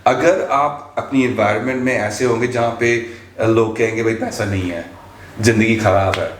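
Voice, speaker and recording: A man's voice: on the low side, fairly even intonation, normal speed, reverberant, slight background noise. A man in his fifties talking as a guest trainer, telling stories in a casual chat and switching between Hindi and English with frequent restarts. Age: 50s.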